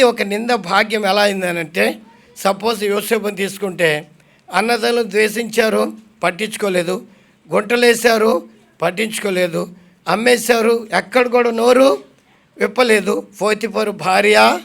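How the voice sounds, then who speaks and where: Male preacher from India, very high pitch with a gravelly rasp, call-and-answer sermon delivery. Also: fairly bright tone. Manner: questions the congregation and answers himself; slows to read scripture aloud.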